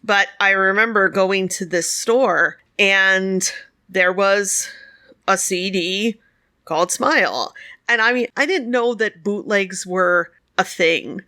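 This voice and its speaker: A chatty woman co-host with a bright, forward voice, telling stories and laughing often. Her voice sounds close and dry. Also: medium pitch, slow pace, no echo. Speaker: podcast co-host. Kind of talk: casual conversation.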